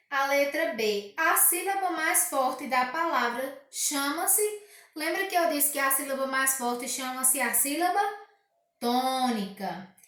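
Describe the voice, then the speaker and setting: A woman teaching a recorded grammar lesson, reading exercises aloud, drawing out key words slowly and asking the class rhetorical questions. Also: high-pitched, a bit bright, far from the mic. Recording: very echoey room.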